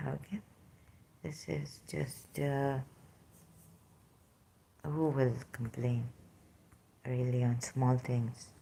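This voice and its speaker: A slow, hesitant speaker with a Pakistani English accent tells a personal story off the cuff. The voice is dark, gravelly and creaky. Sentences stall and restart often, full of fillers. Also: mid-range voice, flat delivery, slight background noise. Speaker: vlogger sharing personal experience. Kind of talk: unscripted personal testimony.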